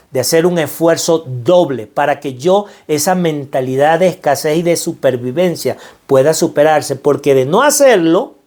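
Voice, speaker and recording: A man's voice: fairly high pitch, a little mellow. A middle-aged man with a Venezuelan accent giving an earnest, preacherly motivational talk, repeating phrases for emphasis. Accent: Venezuelan Spanish. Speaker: financial mindset speaker.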